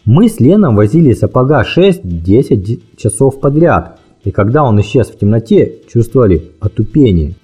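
A man reading a first-person war memoir as an audiobook, in a lively storytelling manner, raising his pitch for the dialogue. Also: moderate pace, few pauses, breathy edge, soft background music. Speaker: audiobook narrator.

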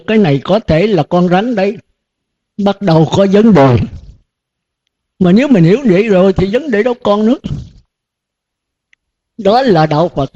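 A man's voice: sits high, dark tone. An older man, a Buddhist monk, giving a dharma talk to his disciples in a folksy way, full of rhetorical questions. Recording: dull lo-fi recording.

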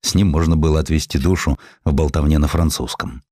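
A man reading a historical story as an audiobook narrator, in an expressive, measured, literary storytelling style. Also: extremely low pitch, dry recording, studio quality. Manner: expressive, measured storytelling with distinct character lines.

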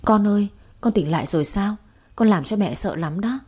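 A woman's voice: mid-range voice, normal speed, darkish tone, husky, close to an everyday voice. Woman voicing a desperate young mother. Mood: overjoyed. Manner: pleading, tearful. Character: young desperate mother, poor, devoted to her son.

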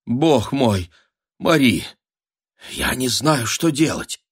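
A man's voice: medium pitch, expressive, slow pace, breathy edge, no echo, clean studio sound, pitched above the performer's own voice. A man voicing a hysterical aging countess who wails in melodramatic, breathless exclamations. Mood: distraught. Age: older. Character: hysterical aging countess mother, shrill and dramatic.

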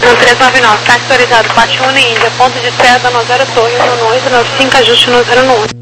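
A woman's voice: fairly high pitch, level tone, fast talker. Brazilian woman air traffic controller over noisy walkie-talkie radio. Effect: over walkie-talkie style aviation radio. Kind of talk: clipped procedural radio instructions. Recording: noisy humming aviation radio.

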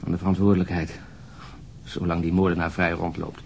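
An exhausted police detective in a naturalistic radio drama. His voice sits very deep, and he speaks in terse, halting, gloomy phrases. Faint noise runs under the recording. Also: little pitch movement, creaky, a little mellow. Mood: dejected.

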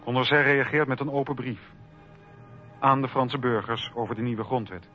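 A man's voice: mid-range voice, fairly even intonation, moderate pace, sharp tone. A man narrating history from a script for a documentary radio play. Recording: dull radio recording with faint music.

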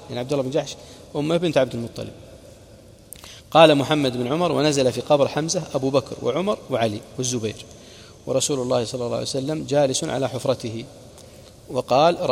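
A man's voice: medium pitch, vocal fry, darkish tone, long reverb tail, a little hiss or hum. A man preacher narrating a religious history lesson, recounting reports and quoted sayings with brief explaining asides.

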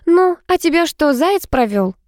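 Sharp, sulky young student girl, read by a woman, dry close read. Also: on the high side, expressive, moderate pace, no room sound, pitched above the performer's own voice. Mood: teasing. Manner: sharp, curt.

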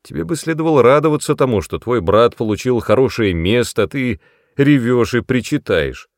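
A man's voice: mid-range voice, lively intonation, normal speed, no echo, clean studio sound, voice pushed up, close to an everyday voice. A man reading a storybook voicing an irritable, self-important young brother who snaps sharply. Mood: angry. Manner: sharp, snapping, louder than the narration. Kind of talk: audiobook character voice.

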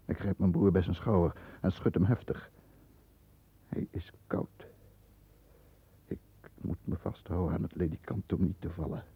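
A very low, husky male voice as a calculating, guilt-ridden lawyer narrating a radio thriller. He speaks deliberately and haltingly under strain. The old radio recording is dull and lo-fi. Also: fairly even intonation. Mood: shaken, grim. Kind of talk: 1960s Dutch radio drama monologue, present-tense narration.

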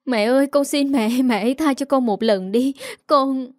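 A woman doing a young wife in a storybook, high voice, pleading through tears, warm tone. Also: normal speed, no room sound, clean studio sound, close to an everyday voice. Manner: sobbing, begging.

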